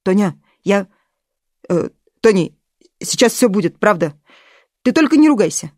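A woman voicing a flustered teenage stepson who pleads in a squeaky falsetto. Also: very animated, unhurried, a little mellow, no echo, clean studio sound. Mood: pleading.

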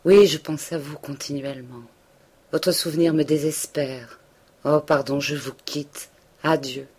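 Lady doing a lovesick young man, pleading, melancholy, low-voiced storybook reading. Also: fairly even intonation, a little slow, darkish tone, slightly rough. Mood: impassioned. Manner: impassioned, pleading declarations.

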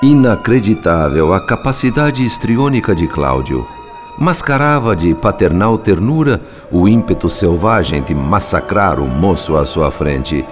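A man's voice: deep voice, very animated, a little slow. An actor playing a grave spirit narrator, a Brazilian man telling a radio drama in a solemn literary style. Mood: grave, disapproving. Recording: music under the narration. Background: background music.

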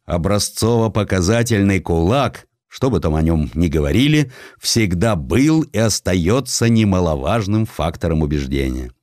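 A man narrating historical tales for an audiobook in a theatrical style, with deliberate phrasing and dramatic pauses. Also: low voice, lively intonation, darkish tone, no room sound, clean studio sound.

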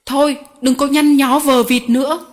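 A woman reading an audiobook voices a stern old man who confronts a cruel boss, speaking forcefully and indignantly. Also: high-pitched, steady tone, normal speed, voice pushed up, natural voice. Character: stern old male street musician, righteous.

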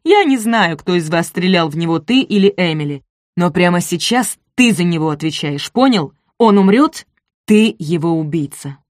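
Brief: a woman playing a commanding male detective, forceful and clipped, dry close read. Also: on the low side, moderate pace, no echo, lightly acted. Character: tough male state police detective, commanding.

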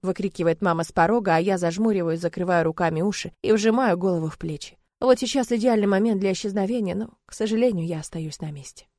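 A woman's voice: medium pitch, fast talker, hardly any pauses, a little mellow, no room sound, studio quality. A woman reading a first-person novel aloud with emotional, dramatic delivery. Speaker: audiobook narrator.

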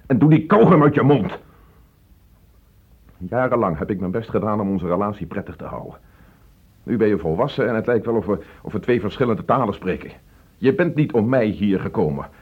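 A man acting a frustrated divorced father in a Dutch radio play, reproachful and emotional, halting when upset. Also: lowish voice, breathy edge, heavily acted. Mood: angry, hurt. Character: frustrated divorced father pleading with his teenage son. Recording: dull, muffled old radio play recording.

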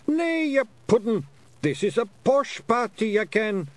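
A man voicing a rowdy, bossy little pixie chief with a broad Scottish accent and a gruff, scolding manner. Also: high voice, sing-song, unhurried, no room sound, pitched above the performer's own voice. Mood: exasperated. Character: rowdy tiny blue-kilted male pixie, bossy.

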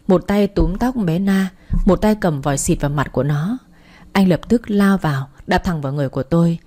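A woman's voice: on the low side, warm tone. A woman reading a dramatic first-person story as narrator.

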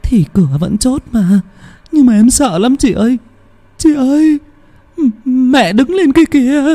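A man's voice: animated, unhurried, mellow, full character voice. A man voicing a terrified young woman who stammers and is close to tears. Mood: panicked. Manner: shrill, stammering, near tears. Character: panicked young woman, girl in terror.

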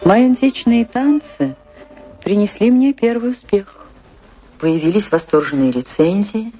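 A woman's voice: medium pitch, animated, dark tone, soft background music, natural voice. An actress playing a dreamy, proud, passionate woman dancer recalling her life in a poetic, theatrical radio monologue. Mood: reminiscing. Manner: dramatic, poetic, deliberate delivery with long pauses.

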